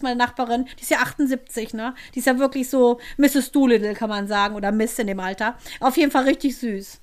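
A middle-aged woman co-hosting a podcast, telling anecdotes in casual chat and laughing as she talks. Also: sits high. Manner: lively storyteller, laughs while talking. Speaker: podcast co-host.

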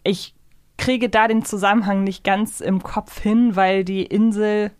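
A woman's voice: mid-range voice, steady tone, a little slow, smooth, dry recording. Woman podcaster, close dry sound. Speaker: podcast co-host. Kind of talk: casual fan discussion podcast.

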